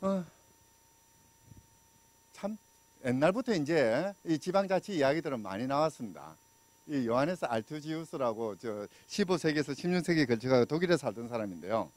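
In a small indoor lecture room, a middle-aged lecturer from Busan, South Korea, presents public law through a handheld mic. His medium-pitched voice is expressive and darkish, at normal speed, and his style is conversational, packed with fillers and questions to the audience as he walks and gestures.

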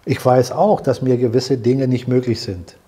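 A man's voice: mid-range voice, fairly even intonation, moderate pace, warm tone, breathy edge. An older man hosting a salon conversation in a living room, earnestly explaining and repeating words as he searches for them. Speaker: host. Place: living room with fireplace, indoors.

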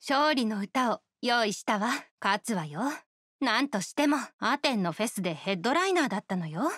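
A proud young oni woman from a video game, with a fairly high voice recorded dry and close. She is a star musician and a perfectionist. Her delivery is poised, exacting and sure of itself. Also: very animated, moderate pace, fairly bright tone, dry recording. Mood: confident, haughty. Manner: poised, self-assured, exacting. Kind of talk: Japanese video game character voice lines.

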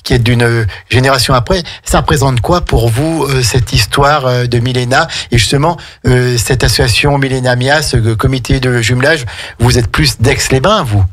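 A man hosting a local radio interview in a studio, pausing often with fillers as he asks questions. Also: medium pitch, fairly bright tone. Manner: hesitant, many fillers. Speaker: radio host.

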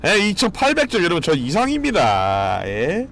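A man streaming a competitive game, commenting live, cheering teammates and shouting and swearing as he plays. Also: sits high, normal speed, vocal fry, faint music behind. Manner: excitable, shouts and swears during play; cheers on teammates with repeated calls.

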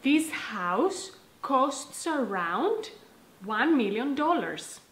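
A woman with a fairly high voice speaks her example sentences very slowly and clearly. The room around her carries a noticeable echo. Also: very animated, fairly bright tone. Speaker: co-teacher. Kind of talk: giving example sentences in a lesson.

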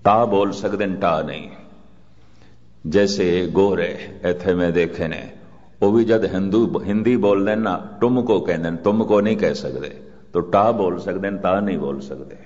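Older preacher, deep and echoing. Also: male voice, darkish tone. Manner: slow, measured delivery with chanted scripture quotes. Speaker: Sikh preacher. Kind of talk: religious discourse. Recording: muffled archival recording with long reverb.

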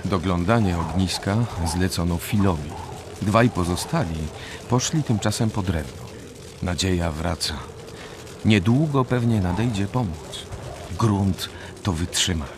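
Casting: male narrator for a dark audio drama, fairly low voice, clearly noisy atmosphere behind him. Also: a little slow. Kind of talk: scripted radio drama narration of a dark story.

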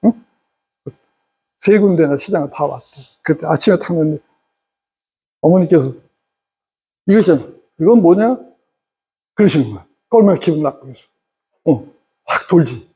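A middle-aged man lecturing parents in an animated way and having the audience repeat phrases after him. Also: on the high side, moderate pace, pauses often, slightly rough.

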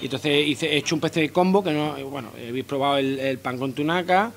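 Man, thirties, chef, rapid speech, stumbling restarts, handheld mic, restaurant room. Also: medium pitch, gravelly, slight background noise. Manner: quick, with many restarts and repeated words. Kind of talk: casual interview answers. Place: small restaurant dining room, indoors. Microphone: handheld interviewer mic held close.

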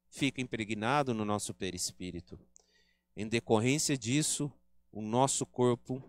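This religious lecture comes from a man with a Brazilian Portuguese accent, earnestly teaching at a spiritist center and performing quoted remarks. His pitch is medium, and the sound is clean studio audio without echo.

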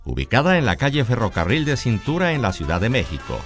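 A man reading scripted news narration in a measured, announcing way. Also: medium pitch, wildly swooping pitch. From Mexico. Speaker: news reporter. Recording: voice-over with faint music.

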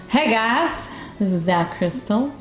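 A woman's voice: a little high, animated, slow, roomy sound, faint music behind, poor audio. A woman chatting casually on a video, showing her convention gear and laughing often. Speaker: YouTube convention reporter. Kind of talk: casual show-and-tell chat. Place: game room with arcade cabinets.

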